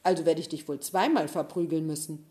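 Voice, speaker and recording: A smug, menacing schoolboy bully, as a woman reading aloud puts him on, pitched a little above her low voice and pushed louder. He sounds boastful and sure of himself. It is a storybook voice. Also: brisk, close to an everyday voice. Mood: smug threatening.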